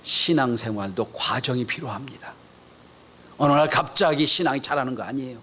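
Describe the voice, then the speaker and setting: A male pastor preaching a Sunday sermon in a church, acting out quoted voices and dropping to soft whispers for emphasis. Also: mid-range voice, a little fast, breathy edge. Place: church sanctuary.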